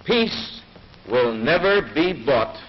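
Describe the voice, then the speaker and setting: A man delivering a measured, solemn formal speech, heard in an old 1940s newsreel recording. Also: a little high, big pitch swings. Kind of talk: formal oratory. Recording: muffled hissy 1940s newsreel sound.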